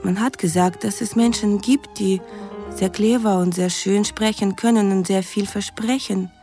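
A woman's voice: medium pitch, fairly even intonation, moderate pace, warm tone, natural voice. Earnest young woman played by an actress, over music. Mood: cautious, earnest. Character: earnest young Russian woman writing lovelorn emails. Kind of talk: radio drama, reading out letters.

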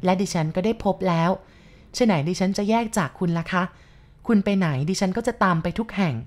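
A woman reading a gentle devoted young woman. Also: medium pitch, fairly quick, lightly acted. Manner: soft, polite, devoted.

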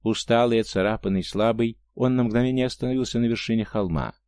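A man narrating an audiobook in a steady, measured reading. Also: medium pitch, clean tone, dry recording. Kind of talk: audiobook narration of science fiction.

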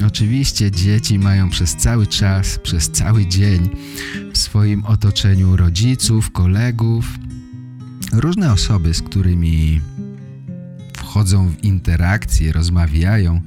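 Low-voiced man, slow podcast host, guitar behind. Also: fairly even intonation. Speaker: language podcast host and teacher. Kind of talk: podcast monologue addressed to learners. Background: guitar music.

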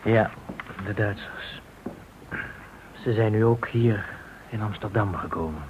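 A man's voice: fairly low pitch, slow. An actor playing an anxious Jewish man in a radio drama, speaking in an uneasy, hesitant way. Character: anxious, less devout Jewish man in occupied Amsterdam. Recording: thin phone-like old radio recording, slight hiss.

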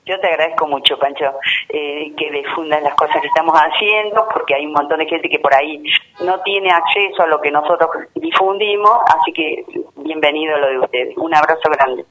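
An Argentine woman from a human rights group, calling into a radio show and explaining plans step by step, pausing to find her words. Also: sits low, lively intonation, a bit bright. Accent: Argentine Spanish. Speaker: human rights group member, phone guest. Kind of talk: casual radio phone interview. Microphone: telephone. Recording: tinny phone line.

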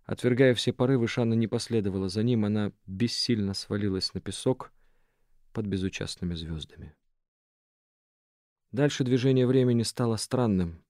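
A man reading a novel aloud in steady, measured narration. His voice sits close to the mic with no room sound at all. The reading stays even and controlled. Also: fairly low pitch, no echo. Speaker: audiobook narrator. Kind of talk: scripted narration.

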